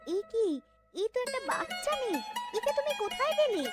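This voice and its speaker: A woman's voice: very high voice, very animated, normal speed. A woman voicing a kind, motherly fisherman's wife in a cartoon story. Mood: surprised. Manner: questioning, motherly. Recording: music under the voice. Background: music.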